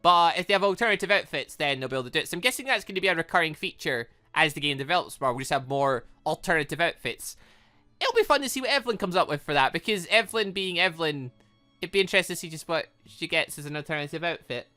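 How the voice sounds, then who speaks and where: Male gaming host, bright forceful voice, lively swings in pitch, close dry sound with faint music underneath. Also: fast talker. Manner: excitable, animated, thinking aloud. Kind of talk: let's play commentary, reading game dialogue aloud.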